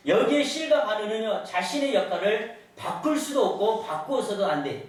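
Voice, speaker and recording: A man's voice: sits high, animated, moderate pace. A male pastor preaching a sermon to his congregation, telling stories and asking them questions. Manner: storytelling with rhetorical questions to the congregation. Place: large church sanctuary. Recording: echoey church hall, voice from far off.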